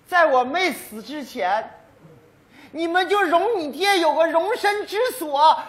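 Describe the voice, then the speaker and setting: A man's voice: very high voice, expressive, measured pace, a bit bright, exaggerated voice. A man playing a stubborn, touchy old widowed father in a stage comedy sketch, grumbling and sarcastic. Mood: aggrieved. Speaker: sketch actor. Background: audience laughter.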